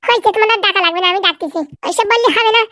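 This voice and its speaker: A squeaky young cartoon character, chatters in an extremely high, childlike voice. The delivery is quick and bickering, and the recording is dry and close. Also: female voice, sharp tone, no room sound. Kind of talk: comedy cartoon dialogue.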